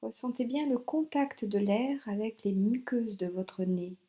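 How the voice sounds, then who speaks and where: A woman instructor leading a guided yoga relaxation in short instructional phrases with pauses. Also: fairly high pitch, mellow.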